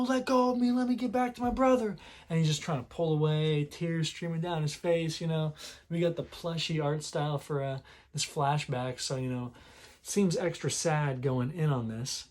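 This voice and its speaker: A man retelling a manga chapter in casual commentary, rambling with many fillers and clearing a sore throat now and then. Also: mid-range voice, a little mellow. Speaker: manga reviewer.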